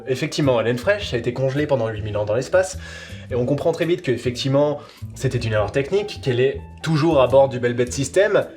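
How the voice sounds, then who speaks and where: A man's voice: mid-range voice, a little mellow. A man presenting a casual review of an audio series, rambling and repeating words for emphasis. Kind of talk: casual chronicle, semi-improvised.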